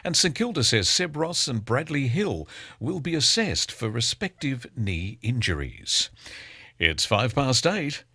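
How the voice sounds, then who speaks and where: A man's voice: medium pitch, very animated, a little slow, bright, forceful tone, breathy edge, no echo. An Australian man reading a scripted radio news bulletin as the presenter. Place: close, dry radio studio.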